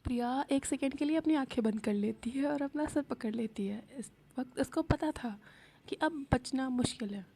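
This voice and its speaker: A woman narrates a story in a plain, conversational way. Her voice is husky and dark, with a mellow tone. She sits a little above the usual pitch. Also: moderate pace.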